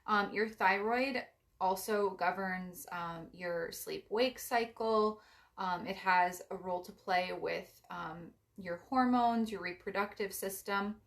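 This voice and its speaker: A young woman with a raspy voice talks through a spiritual card reading in a loose, meandering way. She offers gentle advice and uses a lot of fillers as she goes. Her pitch sits in an ordinary middle range. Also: slow. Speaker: psychic card reader.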